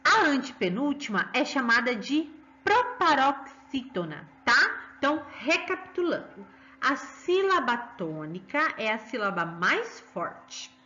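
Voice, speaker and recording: Woman, Brazilian Portuguese accent, teacher, sing-song, high, muffled lo-fi recording. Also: very animated, bright, forceful tone. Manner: sing-song, coaxing, slow syllable stressing. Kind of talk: children's lesson.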